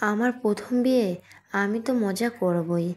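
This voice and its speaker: A woman's voice: medium pitch, moderate pace, a little mellow, close to an everyday voice. A woman voicing a feisty, mischievous young bride who is stubborn and cheeky, in an audio story reading. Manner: sulky and cheeky.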